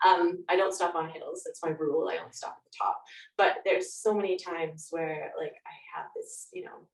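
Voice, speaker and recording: A woman's voice: low-pitched, steady tone, moderate pace, gravelly. Roomy, distant-sounding Canadian woman, reflective. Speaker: podcast guest, nonfiction author. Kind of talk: casual interview conversation. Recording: roomy echo, distant from microphone.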